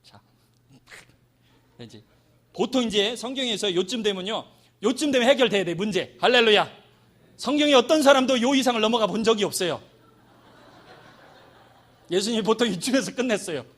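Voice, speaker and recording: A male missionary preacher delivering a dramatic sermon, calling on the congregation to answer back and shouting out quoted voices. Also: sits high, normal speed, long pauses. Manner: animated, dramatic, asks the congregation to respond.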